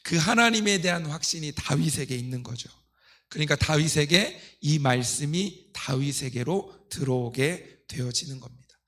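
A man's voice: on the high side, lively intonation, normal speed, fairly bright tone. A middle-aged man preaching as a pastor, explaining scripture to his congregation in a teaching manner. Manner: didactic, asking rhetorical questions and leading readings. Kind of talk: sermon, expounding scripture to a congregation. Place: church pulpit, indoors.

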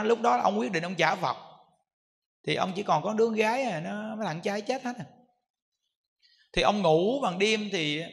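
A Buddhist monk with a Southern Vietnamese accent, telling a story in a sermon in a lively, chatty way. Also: male voice, high-pitched, creaky. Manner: lively storytelling with filler particles. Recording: echoey hall reverb.

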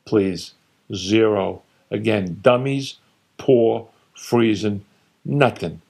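A man's voice: on the low side, gravelly, darkish tone, heavily acted. A man voicing his opinionated older father, who rattles off dismissive, blustering put-downs. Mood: scornful. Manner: blustering, dismissive, rattling off rapid-fire insults. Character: opinionated older father boasting about his home state.

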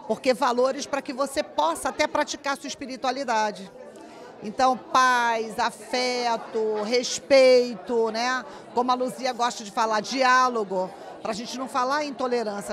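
An older woman answering an interview at an event, stressing single words slowly, with a handheld mic. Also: a little high, a bit bright. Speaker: interviewee, religious representative. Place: busy indoor event venue.

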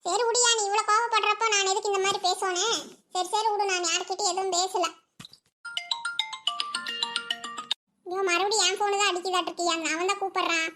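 Cartoon wife, young and argumentative, Kongu accent, squeaky-high and quick; a woman voices her. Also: steady tone, background noise. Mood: sulky. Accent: Kongu Tamil. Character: chatty young village wife, quick to argue. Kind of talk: cartoon voice acting.

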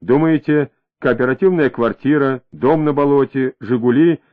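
A man voicing a calm young detective who questions in a measured, quietly ironic way, in an audiobook with a tinny sound. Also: medium pitch, lightly acted. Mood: probing.

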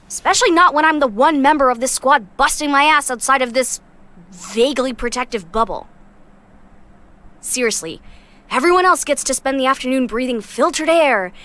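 A woman's voice: high voice, pushed and bright. An actress playing a guarded, sarcastic young woman who scavenges parts, talking bluntly in an audio drama. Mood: irritated. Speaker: parts sourcer.

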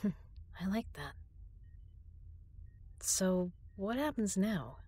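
A young woman performing an intimate audio drama as a frightened prisoner, speaking softly and often in a whisper. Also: mid-range voice, lively intonation, drawn-out words. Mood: tender. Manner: soft, breathy, often whispered.

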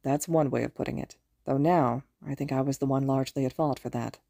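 Woman playing a low, resigned, guilt-ridden man. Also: dark tone, dry recording, studio quality. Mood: weary, bleak. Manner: slow, subdued, resigned. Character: guilt-ridden, self-loathing, dangerous old man.

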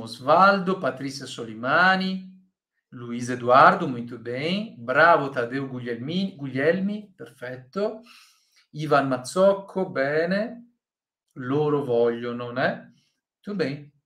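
In a live online lesson, a man with a Brazilian Portuguese accent teaches Italian, patiently correcting students by name and checking in with "tá?". His voice is fairly high, bright and forceful.

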